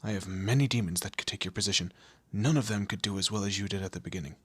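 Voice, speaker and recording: A man playing a commanding, teasing demon lord in an audio roleplay, with a low gravelly, husky voice and an imperious, theatrical manner. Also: quick pace, no room sound. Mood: stern, threatening. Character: male demon lord, commanding, menacing, teasing boss of hell. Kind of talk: scripted audio roleplay addressed to the listener.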